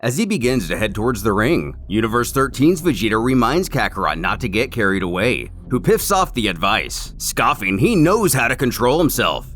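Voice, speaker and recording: A man's voice: mid-range voice, very animated, normal speed, hardly any pauses, fairly bright tone, slight background noise. A man narrating a scripted story recap in a dramatic, emphatic way.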